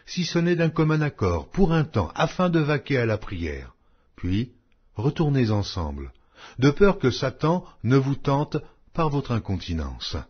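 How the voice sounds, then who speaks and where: A man's voice: mid-range voice, husky. A man narrating a Bible audiobook in a solemn, declamatory way, reading scripted text with emphatic phrasing. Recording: dull, lo-fi audio.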